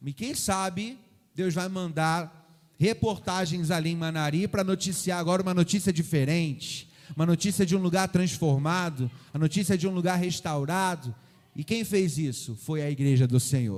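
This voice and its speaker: The recording is very clean, with a silent background. A man with a Carioca accent speaks at a moderate pace in a high pitch, with ordinary pitch variation. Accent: carioca, Rio de Janeiro. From Rio de Janeiro, Brazil. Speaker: missionary pastor. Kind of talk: sermon. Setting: church.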